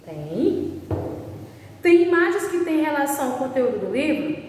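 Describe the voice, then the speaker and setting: Female teacher, high pitch, slow deliberate delivery, long reverb, faint background hiss. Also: sing-song, a little mellow. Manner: slow, drawn-out spelling of examples, constant "certo?" checks. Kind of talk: recorded online class. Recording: distant echoey room recording, faint background noise.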